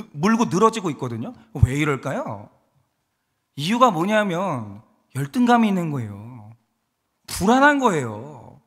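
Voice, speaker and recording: A man in his thirties preaching a sermon as a pastor, telling stories animatedly and acting out quotes from people. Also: high-pitched. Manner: animated storytelling with acted quotes. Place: church sanctuary. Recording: long hall reverb.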